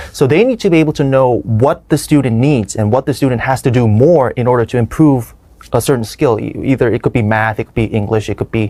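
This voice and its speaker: Speaking very fast with a Korean accent, a man has a dark, mellow tone at a medium pitch with ordinary pitch variation. His loudness swings widely. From South Korea. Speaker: IELTS test candidate, student. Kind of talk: speaking exam answers. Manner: halting with self-corrections.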